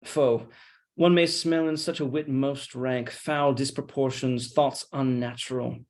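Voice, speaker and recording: A man reading a scheming, deferential soldier in Shakespeare, with measured, insinuating, mock-humble delivery. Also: mid-range voice, fairly even intonation, a little mellow, natural voice. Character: scheming deferential soldier feeding his lord's suspicion. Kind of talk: Shakespeare read-along.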